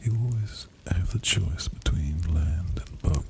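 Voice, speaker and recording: A man speaks with a very deep, low pitch. There is noticeable background noise. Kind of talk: sleep story. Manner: soft-spoken, slow.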